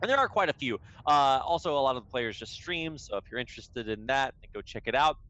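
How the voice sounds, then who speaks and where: A man's voice: medium pitch, expressive, quick pace, sharp tone, lo-fi sound. A man casting an esports match live, chatty and upbeat, with many casual fillers. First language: English, with Spanish as second language. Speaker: esports caster. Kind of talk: live game commentary.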